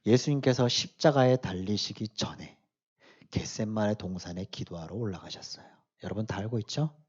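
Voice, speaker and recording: A man preaching to a church youth group, shifting between quiet asides and loud emphatic exhortation, often asking his listeners questions. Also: fairly low pitch, normal speed, breathy edge, dull audio. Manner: casual, speaks directly to the youth with questions. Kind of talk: sermon to teenagers.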